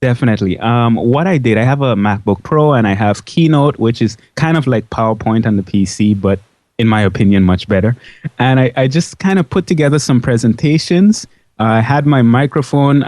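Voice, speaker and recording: A man's voice: medium pitch, animated, brisk, a little mellow, dry recording. Dutch-schooled Caribbean island man, chatty and dry-sounding. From Dutch side of a Caribbean island. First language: Dutch-schooled, fluent English. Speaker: interview guest, biology educator. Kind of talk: conversational interview storytelling.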